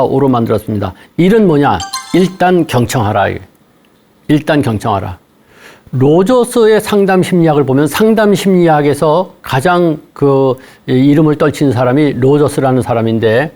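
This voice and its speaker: A man's voice: on the high side, a little mellow. An older man giving a lecture on a talk show, counting off numbered points and acting out quoted lines between couples.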